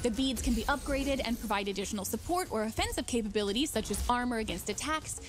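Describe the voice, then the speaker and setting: A woman reading scripted promotional narration for a game trailer, smooth and upbeat. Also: a little high, fast. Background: trailer music.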